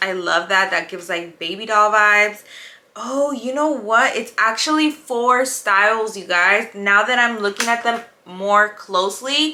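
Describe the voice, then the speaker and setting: A woman in an American accent, upbeat in tone, with a fairly high pitch, ordinary pitch variation, a fairly slow pace, and noticeable background noise. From Houston, Texas. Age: 30s. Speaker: beauty and lifestyle vlogger. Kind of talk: casual makeup tutorial talk to camera. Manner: upbeat, chatty.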